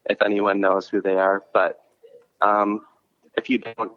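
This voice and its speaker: Interview guest calling in by phone: a lower-pitched man, muffled line, loose and rambling delivery. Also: flat delivery, unhurried. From Minnesota, US. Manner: rambling, with frequent restarts and "like" fillers. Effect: heard over a phone line. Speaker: podcast host and concert promoter, guest. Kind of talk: casual chat, relaxed storytelling. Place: coffee shop.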